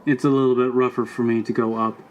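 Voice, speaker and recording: A man's voice: medium pitch, level tone, quick pace, darkish tone, highs cut off, slight background noise, lightly acted. A man playing a polite, earnest four-legged robot bodyguard in a tabletop game, speaking in formal, precise phrases. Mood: earnest, patient. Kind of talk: tabletop roleplay.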